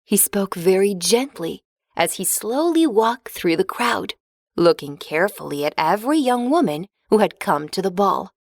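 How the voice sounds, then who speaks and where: A woman's voice: medium pitch, no echo, studio quality. Woman reading a children's story. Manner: clear, expressive, even reading. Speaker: narrator. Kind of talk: scripted storybook narration for children.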